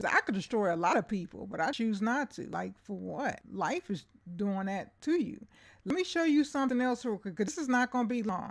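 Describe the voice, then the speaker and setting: At a moderate pace, a woman with a fairly high, somewhat breathy voice speaks with very wide pitch swings. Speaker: YouTube commentator. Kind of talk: livestream commentary. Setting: livestream. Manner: animated.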